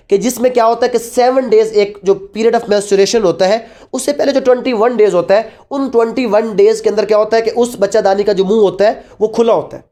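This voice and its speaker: A man's voice: extremely high pitch, mellow. A man with a Pakistani accent lecturing as a law teacher, explaining step by step and often answering his own questions. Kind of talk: lecture mixing Urdu and English.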